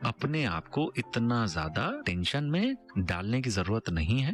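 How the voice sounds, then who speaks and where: Noticeable background noise sits behind a man's medium-pitched voice. His pitch swings very widely. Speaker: radio host. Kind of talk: radio call-in advice show.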